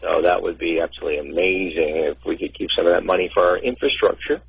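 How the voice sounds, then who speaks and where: A man's voice: low voice, fast, gravelly, breathy edge, no room sound. A man calling in to a radio show over the phone, chatting in a plain, conversational way. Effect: phone line. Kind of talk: casual call-in chat. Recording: tinny phone line.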